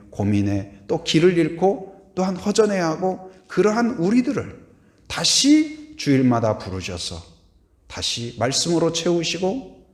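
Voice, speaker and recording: Pastor, male, higher-pitched, very animated sermon delivery, echoey church hall. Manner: asks the congregation questions and has them repeat lines; swings between hushed and loud delivery. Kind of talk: Sunday sermon. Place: church sanctuary.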